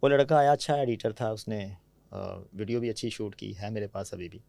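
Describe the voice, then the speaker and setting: Man telling stories in a mellow, close voice. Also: fairly low pitch, vocal fry, dry recording. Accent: Punjabi-tinged Urdu. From Pakistan. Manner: anecdotal, frequently asks "theek hai?" to check understanding. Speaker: podcast guest. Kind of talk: conversational storytelling.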